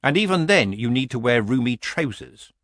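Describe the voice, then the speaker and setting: A man's voice: mid-range voice, expressive, normal speed, a bit bright, dry recording, clean studio sound. A man voicing a shrewd, cheerful old woman witch who talks bluntly and mildly. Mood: wry. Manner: blunt, earthy, mild.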